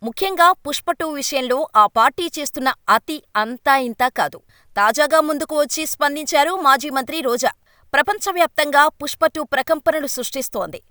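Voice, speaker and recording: A woman delivers a scripted news voice-over at a brisk, even clip, reading straight from the page. Her voice sits high and sounds bright, with a crisp edge. The recording is close and dry, with no room sound around her. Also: dry recording. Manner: brisk read-aloud delivery of a written script. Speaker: news narrator.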